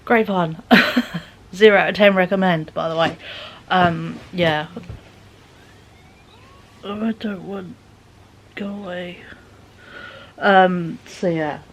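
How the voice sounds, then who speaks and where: Rambling woman with a lowish voice. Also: steady tone, slow, long pauses, a little hiss or hum. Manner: rambling, lots of fillers, drops to whispers. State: tired voice. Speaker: vlogger. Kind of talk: chatty vlog monologue.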